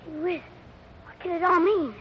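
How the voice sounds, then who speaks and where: On a dull old radio recording, a young ranch boy in a western serial. The voice is childlike and very high, earnest and anxious, with folksy western exclamations. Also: normal speed, slight background noise. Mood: worried. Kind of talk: 1950s radio drama acting.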